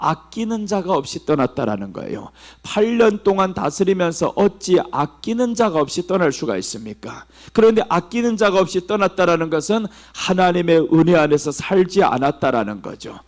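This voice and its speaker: A middle-aged man with a Seoul Korean accent preaching a sermon as pastor, swinging between hushed low phrases and raised emphatic ones. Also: big pitch swings, moderate pace.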